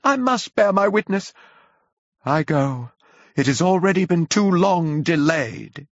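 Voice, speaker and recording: A man's voice: expressive, slow, dry recording, heavily acted. A man voicing a frenzied male curate who rants like a doomsaying prophet. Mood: prophesying. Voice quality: shrill, wailing preacher's cry. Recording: dull, lo-fi.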